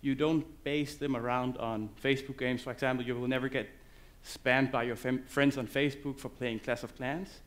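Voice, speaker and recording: Male conference speaker, English, loose and halting on stage. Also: mid-range voice, steady tone. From Denmark. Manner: loose, halting delivery with many fillers and restarts. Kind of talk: conference presentation.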